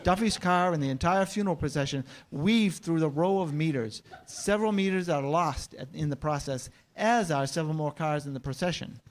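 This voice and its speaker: Slightly high-voiced man narrating a screenplay. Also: a little fast, few pauses. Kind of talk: scripted screenplay narration, present tense.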